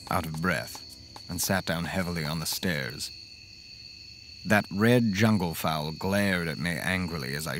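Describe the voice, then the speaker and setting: An earnest, haunted man with a low voice. He tells his horror story in a measured, dramatic way, with faint music underneath. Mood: haunted recounting. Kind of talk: first-person audio drama narration.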